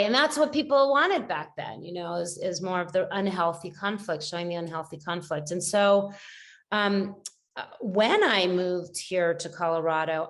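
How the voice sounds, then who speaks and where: A middle-aged woman talking as a podcast guest, reflective and rambling, with many fillers and restarts. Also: fairly low pitch. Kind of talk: casual conversational interview.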